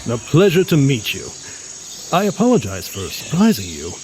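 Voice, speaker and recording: A blue-furred gentleman scientist speaks formally and verbosely in an audio drama. His mid-pitched voice moves up and down with great animation, genial and learned, over a faint bed of crickets. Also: huge pitch swings, moderate pace, noisy background. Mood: genial, pompous.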